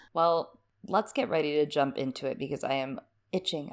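A woman with a normal speaking voice, lively intonation and a moderate pace, on a very clean recording with a silent background. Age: 20s. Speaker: podcast host. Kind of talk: casual chat.

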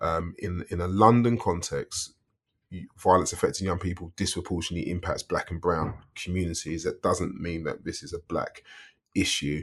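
Moderate-paced speech from a man, recorded very cleanly against a silent background. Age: 40s. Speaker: charity founder, youth violence campaigner. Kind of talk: interview.

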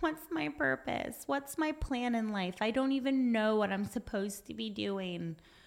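In a put-on character voice that is whiny in tone and sounds female, the speaker whines at a moderate pace and a fairly high pitch.

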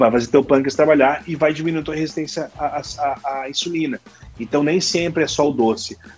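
Noticeable background noise runs behind a man talking. His pitch is fairly high and his intonation fairly even. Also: moderate pace. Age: 30s. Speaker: startup founder and CEO. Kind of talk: casual interview. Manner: halting, repeats words.

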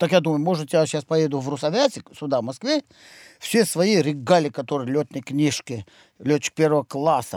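A man's fairly high pitch at a moderate pace, on a very clean recording with a silent background. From Tajikistan, Pamir mountains (Khorog). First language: Pamiri language (not Russian) (speaking Russian). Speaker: flight instructor, former military pilot. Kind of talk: casual chat.

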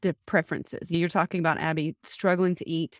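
A woman speaks at a fairly quick pace with a fairly low pitch and an unremarkable speaking voice. The sound is dry and close with no echo, on a very clean recording with a silent background. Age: 50s. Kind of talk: casual chat.

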